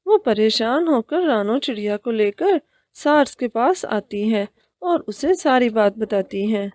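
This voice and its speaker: A woman's voice: fairly high pitch, animated, darkish tone, no echo, clean studio sound. A woman narrating a children's cartoon story in a plain storytelling manner.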